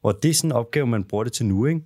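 A man's voice: medium pitch, expressive, dark tone, no echo. A man co-hosting a podcast in casual chat, rambling with fillers and restarts on a studio microphone. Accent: Danish. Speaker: podcast co-host.

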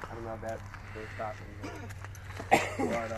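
A man's voice: on the low side, monotone, unhurried. A man chatting casually and joking about his car outdoors, often stammering and restarting. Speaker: car owner. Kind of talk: casual chat. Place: outdoor parking lot. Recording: distant from mic, loud outdoor noise.

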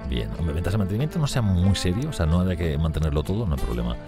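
Very deep-voiced man commentating a game. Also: sing-song, fast talker, over music. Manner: chatty, talks to his characters. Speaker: gameplay youtuber.

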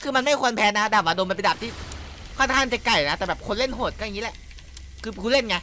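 A young man giving excited, crude gameplay commentary as a streamer, boasting and shouting at opponents. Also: high voice, fast talker, slight background noise. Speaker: gaming streamer. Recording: music heard clearly behind the voice. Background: game music.

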